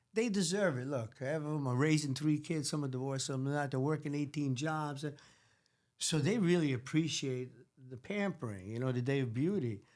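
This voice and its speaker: A man with a fairly high pitch, ordinary pitch variation, and a fairly quick pace. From New Jersey, Italian immigrant family. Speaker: celebrity hairstylist. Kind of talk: casual chat. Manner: animated.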